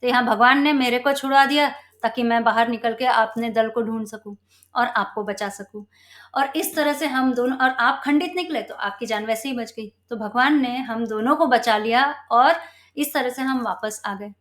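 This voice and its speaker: Woman with a slightly high voice telling a moral story in a loose, halting, chatty way. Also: fairly bright tone. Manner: conversational, halting with fillers and self-corrections. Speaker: spiritual storyteller.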